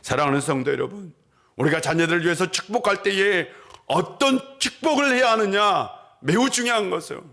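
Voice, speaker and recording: A man's voice: lively intonation, fairly quick, pushed and bright. A male pastor preaching a Sunday sermon in a church, asking the congregation questions and answering them, and acting out quoted voices. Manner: acts out quoted voices in a higher pitch. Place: church sanctuary.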